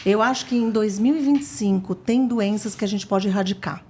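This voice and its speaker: A woman's voice: medium pitch, a little fast, warm tone, slightly rough. A middle-aged woman, a speech therapist, explaining things as a guest in an interview with eager emphasis. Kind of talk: casual interview chat.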